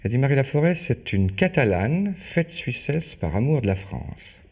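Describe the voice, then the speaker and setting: A man interviewing a guest in a courteous, measured way, with gently probing questions. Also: mid-range voice, sing-song, breathy edge.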